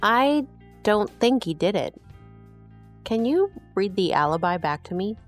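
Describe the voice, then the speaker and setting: Police helper, thoughtful and perceptive, slow delivery over faint music, audio drama. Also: female voice, mid-range voice, sing-song. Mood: calm, focused. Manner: measured, thoughtful. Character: quietly perceptive woman assisting police detectives.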